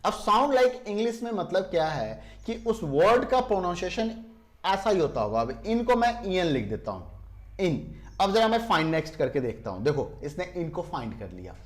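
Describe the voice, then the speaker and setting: A man teaching a computer tutorial. He explains each step, slows down to spell out definitions and asks viewers whether they are following. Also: sits high, very animated. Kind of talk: screen-recorded software lesson.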